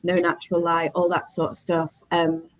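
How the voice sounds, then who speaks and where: Woman chatting on a webinar panel, lowish voice, no room echo. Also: completely flat delivery, moderate pace. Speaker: workspace operator on a panel. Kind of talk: casual webinar discussion.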